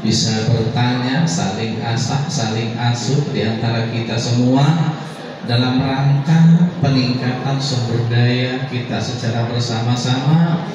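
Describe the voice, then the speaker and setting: A man giving a formal welcome speech as a school leader, in deliberate, drawn-out phrases with pauses. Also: mid-range voice, steady tone. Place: large reverberant indoor hall with an audience. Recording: very echoey hall, distant muffled mic, audience noise.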